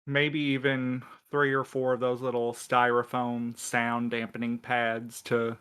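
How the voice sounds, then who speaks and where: A man with a clean, resonant, mid-pitched voice chats casually on a podcast. His delivery is dry and self-deprecating. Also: completely flat delivery, a little slow, fairly bright tone, clear, resonant tone. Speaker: podcast crew member. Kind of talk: casual chat.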